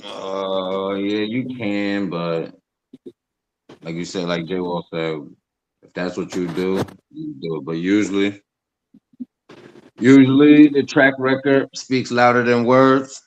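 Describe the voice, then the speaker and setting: A man on a talk panel, talking slowly and searching for his words. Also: fairly low pitch, steady tone, slight background noise, low-quality recording. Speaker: guest panelist. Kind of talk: casual chat.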